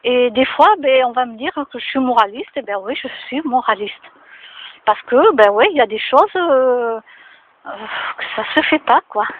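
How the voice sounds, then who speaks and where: A woman's voice: on the high side, expressive, moderate pace. A woman vlogging casually to camera, chatting and moralizing with many fillers, recorded outdoors near her home. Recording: tinny phone-like sound with faint noise.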